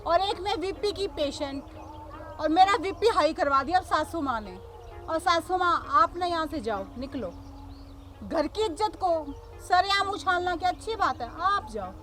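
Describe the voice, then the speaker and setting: A woman's voice: very high-pitched, sharp tone, slight background noise. A woman playing a defiant young daughter-in-law, a police officer, who lectures her mother-in-law combatively. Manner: combative, lecturing, repeats "samajh gaye".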